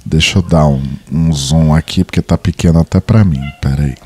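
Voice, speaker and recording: Deep-voiced man with a cold. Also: a little fast. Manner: playful, chatty, reads at a steady pace. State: has a cold. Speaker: podcast co-host. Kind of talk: casual chat, reading listener emails aloud.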